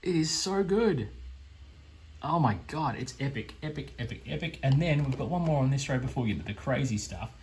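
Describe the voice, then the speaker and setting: A man's voice: fairly low pitch, slightly rough. An Australian man gushing with enthusiasm as he unboxes a board game, speaking casually. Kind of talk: unboxing commentary.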